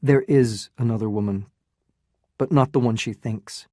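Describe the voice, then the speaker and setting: A man's voice: medium pitch, moderate pace, warm tone, no echo, clean studio sound, lightly acted. A man reading the part of a torn, earnest young man in a dramatized story reading, urgent and insistent.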